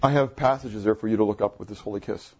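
A man preaching a sermon to his congregation, animated, asking the room questions, with jumps in pitch when he gets excited. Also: quick pace, breathy edge, dull audio. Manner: jumpy pitch, bursts high when excited. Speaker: pastor. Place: church assembly room.

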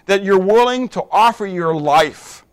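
A middle-aged male pastor preaching a sermon in a lively, high-pitched voice. He talks to the congregation like a conversation, full of rhetorical questions. He drops to hushed asides, then builds to emphatic points. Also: measured pace.

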